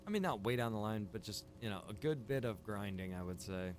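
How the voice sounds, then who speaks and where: A man livestreaming a survival roleplay game, chatting casually and informally as he thinks out loud. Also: on the low side, expressive, brisk, faint music behind. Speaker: game livestreamer and server developer.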